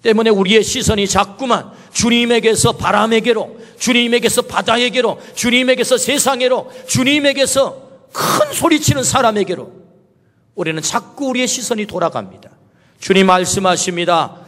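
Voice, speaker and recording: Korean-sounding? no — high voiced guy pastor preaching, lots of rhetorical questions, big church hall echo. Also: moderate pace, a bit bright. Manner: preaching with rhetorical questions and quoted speech of Jesus. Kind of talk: sermon. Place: church sanctuary.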